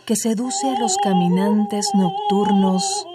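Radio play promo: a haunting female spirit, slow, sliding pitch, distant over heavy score. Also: sing-song. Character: eerie seductive female spirit, ageless, menacing. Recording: distant voice over loud music.

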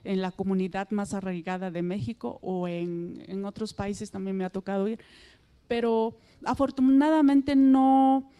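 A Mexican woman whose first language is Mixtec, a singer answering interview questions softly and hesitantly with many fillers. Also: medium pitch, steady tone, a little slow, smooth. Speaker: singer guest. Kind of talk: interview answers and folk singing.

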